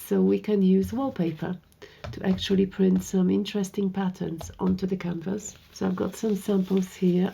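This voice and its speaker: A woman with a slightly hoarse, croaky voice hosts a painting tutorial, chatting and thinking aloud as she works. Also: mid-range voice, warm tone. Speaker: art tutorial host. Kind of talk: casual painting tutorial narration.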